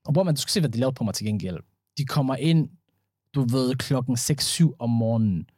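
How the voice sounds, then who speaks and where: A man co-hosting a podcast in casual chat, telling lively stories and dropping English slang like "bro" and "man". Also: medium pitch, breathy edge, dry recording, studio quality. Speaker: podcast co-host.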